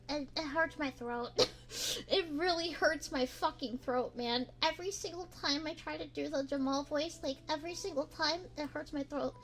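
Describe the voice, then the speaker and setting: A young woman streamer chatting playfully and rambling to her viewers, swearing casually. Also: sits high. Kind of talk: casual live-stream chat.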